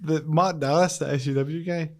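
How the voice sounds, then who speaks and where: A man's voice: on the high side, fairly even intonation, moderate pace, darkish tone. A Scottish man hosting a casual podcast interview, bantering in a self-deprecating way. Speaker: podcast host.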